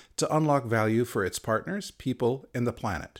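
On a very clean recording with a silent background, a man with a Canadian accent speaks at a moderate pace with vocal fry. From Canada (Alberta). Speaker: podcast host. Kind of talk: interview; scripted narration.

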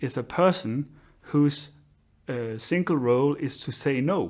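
In a very clean recording with a silent background, a man with a Danish accent and a fairly high pitch speaks at a fairly slow pace with lively intonation and long, frequent pauses. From Denmark. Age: 30s. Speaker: Bible scholar. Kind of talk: interview.

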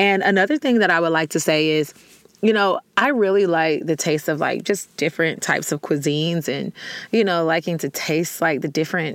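A woman with an American accent and a plain, everyday voice speaks at a fairly quick pace. Her pitch is fairly low, with ordinary variation. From US South, Georgia. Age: 30s. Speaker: podcast host. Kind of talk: casual solo chat.

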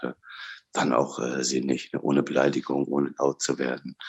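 A man talks at a moderate pace in a very deep, low pitch with vocal fry. His intonation is monotone and flat. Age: 40s. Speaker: unemployed father interviewed about pandemic. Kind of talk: casual interview. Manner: halting, many filler sounds.

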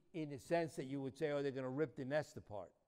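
A man with a New York accent and a dark, mellow tone. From New York City. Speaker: entomologist and speaker. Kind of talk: lecture to live audience. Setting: stage with audience.

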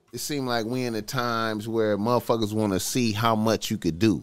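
The speaker is a man. His recording is very clean, and the background is silent. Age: 60s. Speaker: podcast host. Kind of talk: casual chat. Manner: animated.

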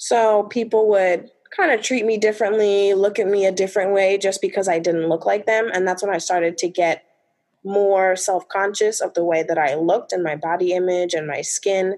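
An American accent marks this woman's unremarkable speaking voice. She talks at medium pitch and a moderate pace, with fairly even intonation. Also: quiet background. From New York City. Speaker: interview guest. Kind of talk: interview.

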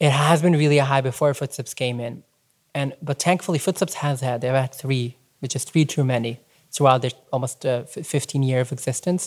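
On a very clean recording with a silent background, a woman with a non-native accent speaks at a very deep, low pitch and with fairly even intonation. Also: fairly quick pace. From New York. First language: not English. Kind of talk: public talk with interviewer. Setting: live event with audience.

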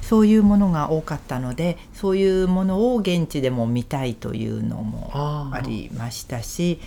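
A woman speaks at a fairly low pitch with very wide pitch swings. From Tokyo, Japan. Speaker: antique shop owner. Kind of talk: interview.

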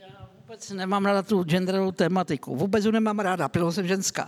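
The woman speaks at a medium pitch with a Slovak accent. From Slovakia, Liptovský Mikuláš. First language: Slovak (speaking Czech). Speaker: community activist. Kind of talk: panel discussion. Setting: gallery event with audience.

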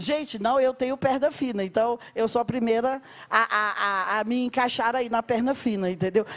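A woman speaks at a fairly slow pace with an animated tone and lively intonation. Noticeable background noise is present. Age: 50s. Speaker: pastor. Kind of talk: sermon.

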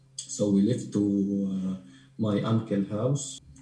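Speaking very slowly in an Arabic accent, a man talks over noticeable background noise. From Gaza, Palestine. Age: 20s. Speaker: software engineering student. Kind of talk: interview testimony. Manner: halting.

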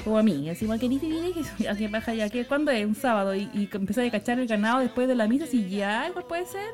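A woman's very fast, animated, fairly high voice with a Chilean accent and lively intonation, music in the background. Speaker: podcast host. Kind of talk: casual storytelling monologue. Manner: animated, frequent laughter.

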